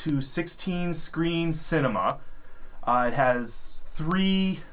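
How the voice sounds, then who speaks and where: A man's voice: on the high side, lively intonation, slow pace. A man in a casual podcast chat, telling a story from his security job. He rambles, full of ums and false starts, and his voice comes through thin and tinny, as if over a phone. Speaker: podcast co-host, security guard.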